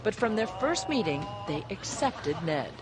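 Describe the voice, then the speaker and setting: A woman's voice: mid-range voice, measured pace, over music. A woman reading polished, scripted narration for a television news feature. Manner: lively, polished reporter delivery.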